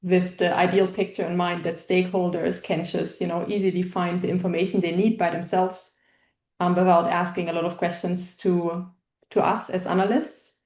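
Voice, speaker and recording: A woman from Germany speaks in a friendly, methodical way as a guest on a video call, her voice sitting a little low. The room around her adds a clear echo. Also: flat delivery, moderate pace, darkish tone. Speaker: analytics engineer, guest. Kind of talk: interview answers.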